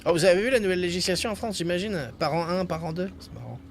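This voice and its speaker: A man's voice: high-pitched, expressive, very fast. A man streaming a video game with casual commentary, muttering joking asides. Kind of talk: casual live gameplay commentary. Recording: noisy game sound behind. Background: video game audio.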